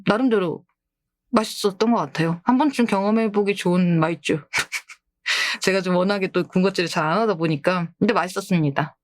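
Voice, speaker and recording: With a mid-range voice in studio-quality audio free of echo, a woman VTuber focused on books chats casually on stream. She's polite and prone to giggles while reading out posts from her viewers.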